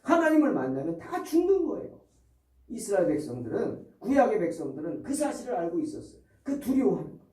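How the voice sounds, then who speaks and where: A pastor's high, darkish voice rings through an echoey church sanctuary, recorded from far away. He preaches fairly quickly with huge pitch swings, fervently firing rhetorical questions at his congregation.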